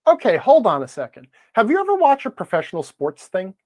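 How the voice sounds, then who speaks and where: Animated, assertive man with swooping pitch. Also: a little fast, dry recording. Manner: assertive, interjecting, questions the other speaker pointedly. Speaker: podcast guest, game-advice blogger. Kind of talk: animated conversational debate.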